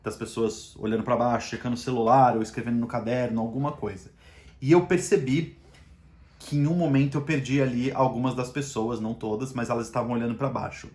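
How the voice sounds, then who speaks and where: A Brazilian man with a Brazilian Portuguese accent gives a casual online lesson on communication, raising and lowering his voice to make his points. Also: roomy sound, a little hiss or hum. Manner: shifts volume and pitch to show emphasis. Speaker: communication trainer.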